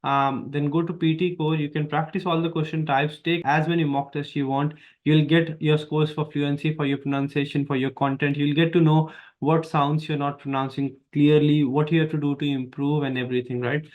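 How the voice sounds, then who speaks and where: An Indian-accented man, an exam prep teacher, explains test tasks in an online lesson at a normal pace, his fairly high voice showing little pitch movement. He speaks emphatically and repeats his key points, and the recording has a dull, lo-fi sound.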